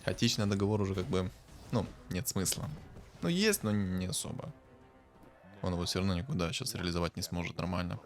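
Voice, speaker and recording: Man, low voice, casual game commentary, thinking aloud, faint music behind. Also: lively intonation, brisk. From Ukraine. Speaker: game streamer.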